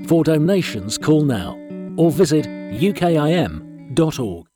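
A man's voice: fairly high pitch, very animated, extremely slow, music in the background. A man reading an earnest scripted charity appeal. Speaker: charity ad voice-over.

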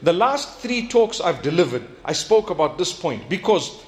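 A man preaching an Islamic sermon. He tells stories animatedly, acts out bits of dialogue and slows down to stress his key points. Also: high voice. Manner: animated storytelling, acting out quoted dialogue.

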